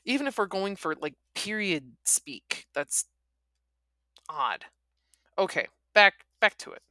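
Bright-voiced woman podcast host. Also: medium pitch, sing-song, slow pace, dry recording. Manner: chatty, critical asides. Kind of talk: reading a novel aloud with commentary.

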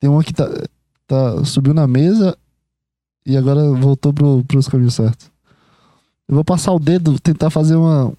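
Excitable young man, warm voice. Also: a little high, dry recording, clean studio sound. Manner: excitable, talks to the listener directly, swears casually. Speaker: podcast host. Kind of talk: rambling casual monologue.

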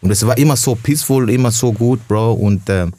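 A young adult man from Burundi, a stand-up comedian, talking casually and emotionally as a podcast guest, slangy and full of halting restarts. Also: medium pitch, dark tone, no room sound. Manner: slangy, says "bro" often, halting restarts.

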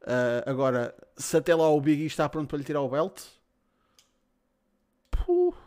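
A man's voice: on the high side, animated, normal speed, a little mellow. A man with a European Portuguese accent, hosting a podcast and reading out listener questions in casual, slangy talk with some swearing. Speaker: podcast host.

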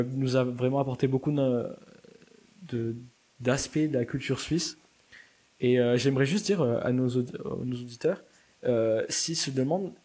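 French podcast host guy, bit husky, friendly, lots of euh and repeats. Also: mid-range voice, darkish tone. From France. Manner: friendly, fillers and repeated words. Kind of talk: casual interview chat for French learners.

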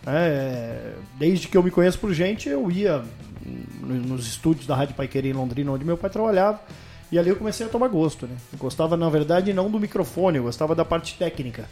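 A man in his thirties from northern Paraná talks through his life as a podcast guest, in a slightly high voice. He speaks in easy, rambling sentences and keeps checking in with a quick question tag. Faint music plays behind him. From northern Paraná, Brazil. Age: 30s. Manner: relaxed storytelling with many tag questions. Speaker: guest, radio sports commentator. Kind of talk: casual podcast interview.

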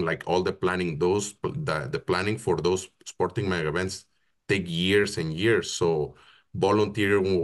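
Appearing as a guest in a casual interview, a football operations project manager from Mexico speaks in a low-pitched voice. He pauses often, restarts his sentences, and hunts for the right words, giving a thoughtful, halting delivery.

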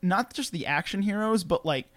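A man's voice: high-pitched, animated, normal speed, fairly bright tone, dry recording. A man hosting a podcast in casual chat, swearing freely and laughing as he tells stories. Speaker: podcast host.

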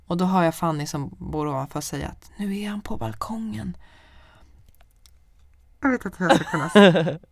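A young woman chatting casually, telling a story in a lively way and swearing often. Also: fairly low pitch, vocal fry, pauses often.

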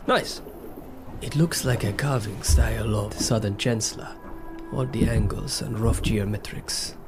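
A man playing a tabletop roleplaying game, thoughtfully talking through what his character knows and does. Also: mid-range voice. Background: music.

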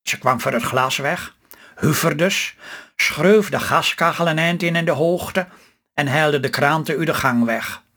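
A man's voice: on the high side, unhurried, a bit bright. Man reading a dialect story. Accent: Stellingwerf Low Saxon dialect. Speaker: author reading his story. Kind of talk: read-aloud humorous story.

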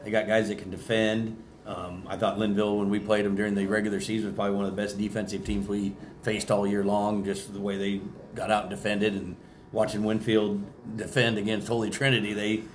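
A man's voice: on the low side, level tone, fairly quick, slight background noise. An American man, a basketball coach, giving plain, folksy commentary in a casual interview. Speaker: high school basketball coach.

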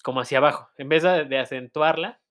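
A man's voice: on the high side, quick pace, a bit bright. A man with a Mexican accent co-hosting a casual podcast chat, joking and laughing often. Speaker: podcast co-host.

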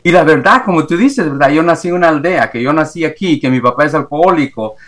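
A middle-aged man from Guatemala, speaking with a Guatemalan Spanish accent on a video call from home, telling his story haltingly with many fillers and restarts. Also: fairly high pitch, lively intonation, fairly bright tone. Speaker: guest, executive coach. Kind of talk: remote interview, reflective storytelling. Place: home, in the morning.

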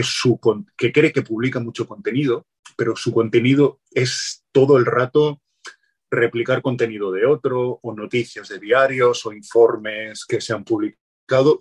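A man speaking as an interview guest, explaining marketing tips in a relaxed, advice-giving way, often restarting his phrases. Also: medium pitch, breathy edge. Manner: explanatory, many restarts and "pues". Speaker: guest, LinkedIn sales consultant.

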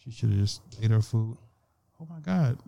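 A man's voice: medium pitch, lively intonation, normal speed, vocal fry, dark tone. A young man hosting a casual podcast chat, laid-back and chuckling, with lots of fillers. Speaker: podcast host.

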